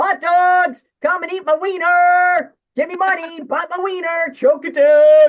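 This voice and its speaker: Shouting in a put-on character voice, the speaker holds an extremely high pitch, raised and projected, at a fairly slow pace. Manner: loud, screaming, pushy.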